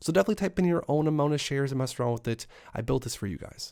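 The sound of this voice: A man speaks at a very fast pace with vocal fry, a slightly mellow tone and lively intonation. The recording is very clean, with a silent background. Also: medium pitch for a man.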